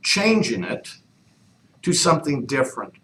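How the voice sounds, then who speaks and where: Man, trainer, coaching with questions, slow delivery, faint room hum. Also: medium pitch, very animated, a bit bright. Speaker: real estate trainer. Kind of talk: training session talk. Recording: echoey room, mic far off.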